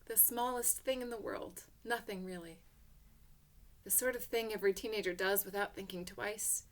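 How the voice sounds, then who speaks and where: A woman's voice: medium pitch, steady tone, normal speed. A woman reading a literary short story in the first person, with intense, theatrical delivery. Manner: intense, theatrical, hushed passages swelling to emotional peaks.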